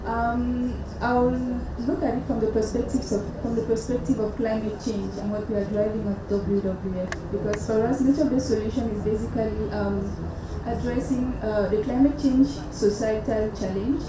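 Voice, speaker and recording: Halting woman panelist in a noisy hall. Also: fairly high pitch, steady tone. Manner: measured, halting with many fillers. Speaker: panelist from a conservation group. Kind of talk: panel answer. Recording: echoey hall, distant mic, noisy.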